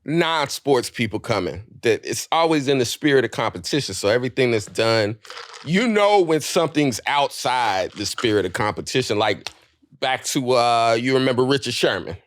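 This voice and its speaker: A man co-hosting a podcast in casual chat, telling stories with profanity and quick voiced asides. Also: medium pitch, expressive, dry recording, studio quality. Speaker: podcast co-host.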